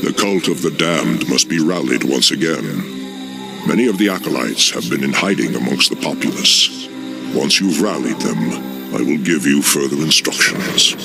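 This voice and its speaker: A scheming male demon lord speaks in a voice of extreme depth with a gravelly rasp. His pitch rolls and swoops as he doles out orders slowly and with menace. A loud orchestral game score plays behind him. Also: expressive, over music, exaggerated voice. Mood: sinister. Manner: slow, measured and menacing. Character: scheming demon dreadlord, male, cold and commanding. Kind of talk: video game cutscene acting.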